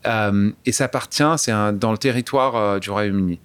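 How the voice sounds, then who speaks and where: Casting note: man, thirties, soft English lilt in his French, halting and reflective, dry close sound. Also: lowish voice, smooth, no echo. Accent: light English-tinged French. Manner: hesitant, many restarts and fillers. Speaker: guest singer-songwriter. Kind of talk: casual interview talk.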